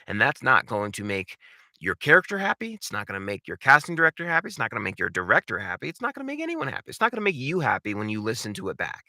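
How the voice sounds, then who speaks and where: This instructional talk of numbered tips comes from a man playing a voice acting coach: theatrical, emphatic, full of repeated key words and casual asides. He talks quickly at a medium pitch with wildly swooping intonation and a pushed, bright tone, captured in studio quality with no echo.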